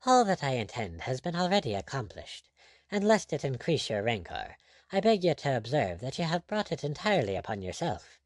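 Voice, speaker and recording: A man voicing a cool, courteous, mocking pirate captain, quietly firm and sardonic, in an audiobook adventure story. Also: medium pitch, sing-song, fairly quick, no echo, natural voice. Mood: calm, mocking.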